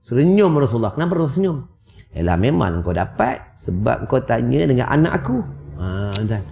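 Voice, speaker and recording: A man with a Malaysian Malay accent preaching in a mosque prayer hall, animated and teasing, acting out little scenes with wives' voices. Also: mid-range voice, brisk, vocal fry, dull audio. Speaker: religious preacher. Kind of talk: lively sermon.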